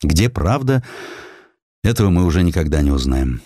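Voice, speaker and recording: A man reading a historical narrative as an audiobook narrator, in a measured, deliberate and dramatic way with weighty pauses. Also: sits low, big pitch swings, warm tone, no echo, studio quality.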